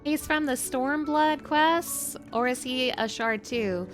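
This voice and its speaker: Bubbly high-voiced woman streamer. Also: slow, faint music behind. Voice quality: high-pitched voice. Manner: bubbly, giggly, filler-heavy chat. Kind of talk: casual chat while reading game dialogue.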